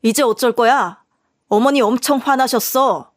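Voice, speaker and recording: A woman's voice: on the high side, a little slow, no room sound, clean studio sound, close to an everyday voice. A woman voicing a stubborn, blaming husband in a told story, speaking in a curt, scolding manner. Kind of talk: storytelling dialogue.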